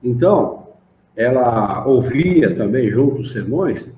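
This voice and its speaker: A man with a Brazilian Portuguese accent talks slowly, with lively intonation at a medium pitch, while running a spiritist study class and asking the group rhetorical questions about the texts. The lo-fi recording from the association's meeting room is roomy and dull, with a little hiss or hum.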